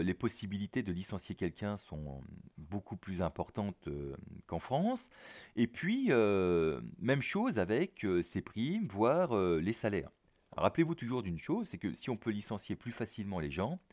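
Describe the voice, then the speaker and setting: Man, teacher, deep voice, animated intonation, recorded lesson, chatty, filler-heavy explaining. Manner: casual, chatty explaining with many fillers and asides. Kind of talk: recorded economics lesson over slides.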